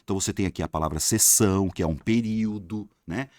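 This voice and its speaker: A man's voice: low voice, quick pace, darkish tone, no room sound, studio quality. A man giving a video lesson, repeating words for emphasis and acting out his students' questions. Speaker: teacher.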